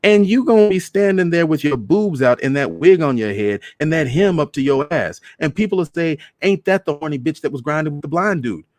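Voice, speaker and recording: A man voicing a sharp-tongued, militant grown daughter with a blunt, scornful manner in a story reading. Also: fairly high pitch, animated, fairly quick, hardly any pauses, dry recording, voice pushed up, lightly acted. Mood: disgusted. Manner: cutting, blunt.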